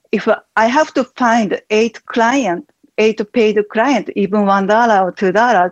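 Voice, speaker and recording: Recorded with a dry, close sound and no echo, a woman with a Japanese accent speaks at a fairly slow pace with ordinary pitch variation. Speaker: aspiring life coach. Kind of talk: coaching conversation. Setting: online audio room. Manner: halting.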